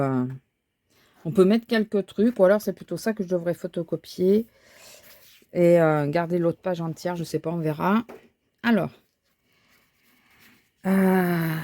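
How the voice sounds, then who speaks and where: Lady crafting at her desk, lowish mellow voice, umms a lot while she thinks. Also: no room sound. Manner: thinking aloud, hesitant, many fillers and restarts. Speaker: crafting vlogger. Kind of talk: casual chat while crafting.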